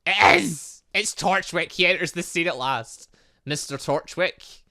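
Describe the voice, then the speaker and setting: A man hosts a video game playthrough in a bright, forceful voice. His pitch swings widely as he rambles through his thoughts. He is excitable, breaking into asides and exclamations, in a close, dry sound. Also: a little slow, gravelly, no room sound. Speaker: gaming channel host. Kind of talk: let's-play commentary, reading game dialogue aloud.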